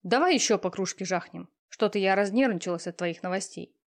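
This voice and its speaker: A woman voicing a pushy, talkative young female friend who teases and lectures loudly. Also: mid-range voice, fairly quick, natural voice. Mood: bossy. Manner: loud, teasing, talkative.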